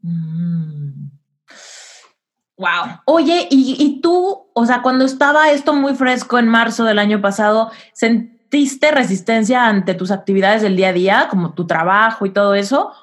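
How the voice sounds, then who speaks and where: A woman hosting a podcast interview, affirming her guest and asking lively questions. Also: fairly high pitch, unhurried. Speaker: podcast host. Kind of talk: supportive interview.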